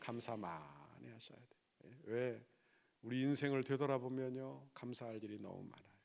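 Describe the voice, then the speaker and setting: A man's voice: mid-range voice, animated, normal speed, vocal fry, darkish tone. A male pastor preaching a sermon, asking the congregation questions and rising to emphatic exclamations.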